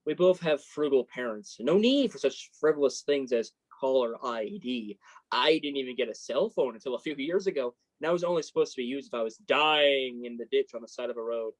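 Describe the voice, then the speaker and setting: A man's voice: medium pitch, expressive, a little fast, natural voice, low-quality recording. A man playing a sensitive, embarrassed college freshman in a play reading, guarded and dryly self-deprecating. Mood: wry, defensive. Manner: self-deprecating, dry sarcasm. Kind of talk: staged reading of a play, naturalistic dialogue.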